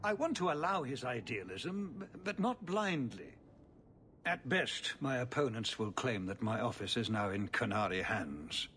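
Worried aging nobleman, expressive pitch. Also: unhurried, slight background noise. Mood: grave, pleading. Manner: formal, pleading, grave. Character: worried, dignified aging nobleman ruler and father. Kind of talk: video game dialogue.

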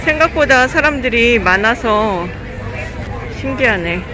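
A woman's voice: on the high side, animated, a little slow. Middle-aged woman vlogging at a busy market. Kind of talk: casual vlog narration and chat. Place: outdoor street market in a parking lot. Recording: outdoor crowd chatter and music behind.

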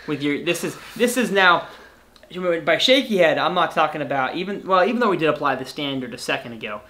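A man's voice: on the high side, animated, brisk, bright, forceful tone. A young adult man hosting a casual, playful debate over a video call from a room at home. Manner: easygoing, playful, wraps up the show. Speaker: host. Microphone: webcam on a video call.

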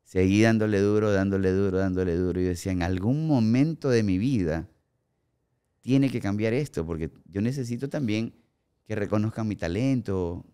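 A man in his forties with an Ecuadorian accent, a guest actor telling animated stories in a podcast studio on a boom mic. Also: normal speed, clean tone. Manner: animated storyteller acting out quoted remarks. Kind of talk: casual podcast storytelling. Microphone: studio mic on boom arm, headphones.

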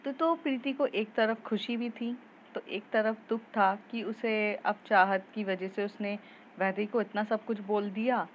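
A woman's voice: mid-range voice, steady tone, measured pace, highs cut off, slight background noise. A woman narrating a love story in a chatty, casual way, with fillers and restarts.

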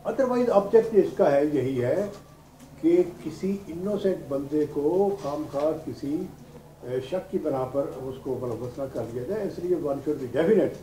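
An older man with a Pakistani accent giving a lecture in a deliberate, explanatory way, posing rhetorical questions and mixing in English terms. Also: on the high side, animated, dark tone. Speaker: law lecturer, retired judge. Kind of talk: lecture to law students. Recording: roomy, distant microphone, noisy background.

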